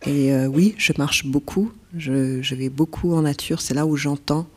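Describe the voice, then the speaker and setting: A woman from Burundi with a Burundian French accent, whose first language is Kirundi, speaking as a poet in a reflective interview, pausing often with fillers and restarts. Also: sits low, darkish tone, breathy edge. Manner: hesitant, many fillers and restarts. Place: stage at a poetry house.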